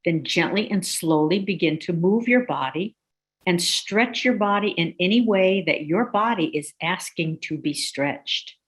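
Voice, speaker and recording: A woman guiding a relaxation meditation in a slow, soothing, gently instructive way. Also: on the low side, slightly rough. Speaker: meditation guide.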